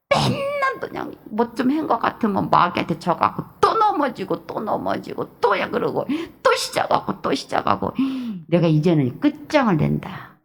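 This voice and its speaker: Raspy-voiced woman pastor preaching emphatically. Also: mid-range voice. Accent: Jeolla Korean. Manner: emphatic, repetitive exhortation with hushed asides. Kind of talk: early-morning sermon.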